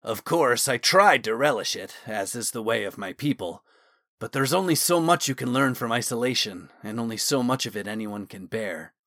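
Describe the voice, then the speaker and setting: A man voicing an excitable, easily offended, brash male guardsman in an audiobook, with a dramatic way of talking. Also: medium pitch, normal speed, no echo, clean studio sound. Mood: solemn, tender. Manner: exclamatory, dramatic. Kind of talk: audiobook character dialogue.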